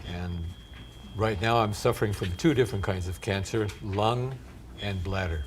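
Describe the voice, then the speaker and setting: A man with an American accent speaks at a moderate pace in a fairly low pitch, somewhat breathy. His pitch varies in an ordinary way, broken by long, frequent pauses. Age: 70s. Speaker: cancer survivor, community volunteer, panelist. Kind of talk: panel discussion. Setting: livestreamed community center program.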